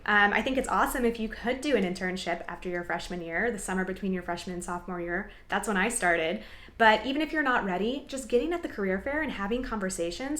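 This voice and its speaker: Young woman, upbeat tidy advice vlogger, encouraging, organized delivery, medium pitch, roomy echo. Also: fairly bright tone. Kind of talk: upbeat advice vlog to camera. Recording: echoey room.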